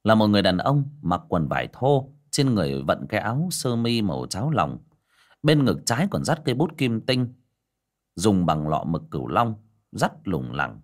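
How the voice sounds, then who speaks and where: A man's voice: fairly low pitch, big pitch swings, moderate pace. A man narrating a ghost story with dramatic, swooping delivery.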